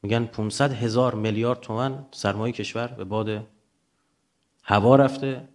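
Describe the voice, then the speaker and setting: His voice is lowish, steady and a little mellow, marked by an Iranian Persian accent. In an informal, emphatic lecture, he explains ideas with examples and poses rhetorical questions.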